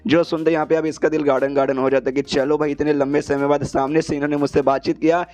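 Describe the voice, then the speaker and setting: A man's voice: a little high, flat delivery, a little mellow. A young man narrating a comic recap in a casual, slangy storytelling style, voicing the characters' lines in his own voice. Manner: rapid, slangy, voices characters' insults in plain voice.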